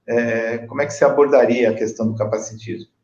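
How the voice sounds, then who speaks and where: A man with a Brazilian accent hosting a conversational interview in a deliberate, hesitant, rambling way. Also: medium pitch, fairly even intonation, a little mellow. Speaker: interview host. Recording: echoey room, dull lo-fi audio.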